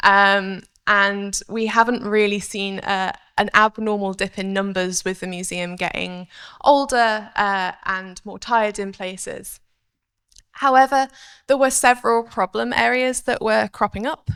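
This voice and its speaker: On a very clean recording with a silent background, a woman with a medium-pitched, bright, sharp tone speaks at a fairly slow pace, showing ordinary pitch variation and big swings in loudness. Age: 20s. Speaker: museum heritage worker. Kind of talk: conference presentation.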